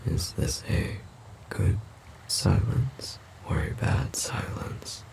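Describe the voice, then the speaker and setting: Audio roleplay forest demon male actor: slow, dark, breathy half-whisper, gentle and literal-minded, formal and hesitant. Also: lightly acted. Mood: hesitant, puzzled.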